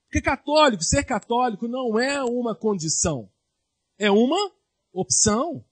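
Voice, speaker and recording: Male pastor, sermon delivery; high, husky voice, lively rhetorical questions. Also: moderate pace.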